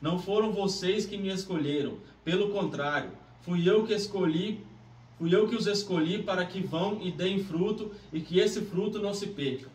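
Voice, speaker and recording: A man's voice: sits high, moderate pace, a little mellow. A man with a Brazilian accent speaking earnestly as he leads a devotional Bible reading. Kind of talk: devotional introduction, prayer and Bible reading aloud. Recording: roomy, distant mic, faint background noise.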